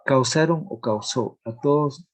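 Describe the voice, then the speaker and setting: A man teaching a grammar lesson, explaining rules slowly and deliberately, reading out examples and checking in with the class. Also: mid-range voice. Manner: asks checking questions of the class.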